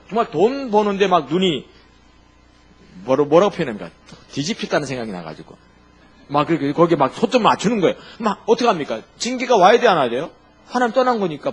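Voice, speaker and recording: Husky, animated Korean pastor preaching. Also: male voice, sits high. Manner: asks the congregation rhetorical questions, jokes and laughs; lively, emphatic preaching with sudden loud and quiet turns. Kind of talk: sermon.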